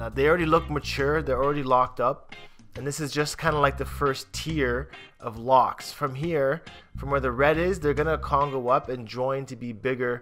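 Faint music plays in the background. Over it, a man speaks at a moderate pace with fairly even intonation. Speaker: hair care vlogger. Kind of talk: reaction commentary. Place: home room.

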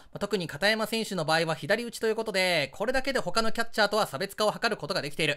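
In a very clean recording with a silent background, a man's raised, projected voice comes at a very fast pace, bright and sharp in tone with ordinary pitch variation. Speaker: sports YouTuber covering a baseball team. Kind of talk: solo video commentary on baseball.

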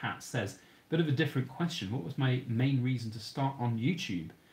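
In a British accent, a man speaks at a medium pitch with ordinary pitch variation and a somewhat breathy quality. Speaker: YouTube channel host. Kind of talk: livestream giveaway chat.

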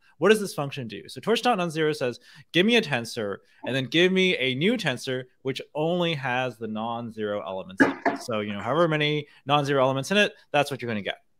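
Over loud background noise, a man talks at a fairly quick pace and a fairly high pitch, with very wide pitch swings and big swings in loudness. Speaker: software engineer; panelist. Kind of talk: technical Q&A explanation. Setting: video call live stream. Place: home room.

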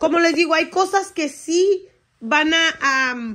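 A woman's bright, sharp tone against a quiet background. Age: 40s. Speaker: YouTuber. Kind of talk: casual tutorial. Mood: relaxed, reflective. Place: home room. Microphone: phone near.

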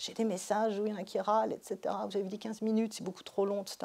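Delivering her words at a very fast pace, a woman keeps a monotone, flat intonation. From Alsace, France. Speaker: author and feng shui practitioner; guest. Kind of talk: public talk with Q&A. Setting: stage with audience. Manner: halting, many repetitions. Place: hall. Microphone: lapel.

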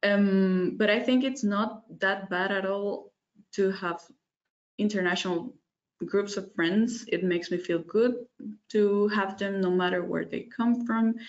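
Speaking at a fairly slow pace, a woman with a Spanish accent keeps a fairly even intonation. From Costa Rica. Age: 30s. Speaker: media studies student and institute worker. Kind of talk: webinar interview. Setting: video call. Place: home room. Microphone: webcam.

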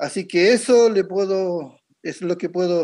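The background is quiet. A man speaks at a high pitch, with ordinary pitch variation. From Mapuche community, southern Chile. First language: Mapudungun (speaking Spanish). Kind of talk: formal presentation to a commission. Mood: earnest, appealing. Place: home room. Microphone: earbuds.

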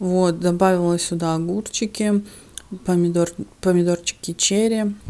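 A woman talks in a monotone, flat intonation at a fairly low pitch. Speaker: mukbang vlogger. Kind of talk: casual vlog chat. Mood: indignant storytelling. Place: home room. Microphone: phone near.

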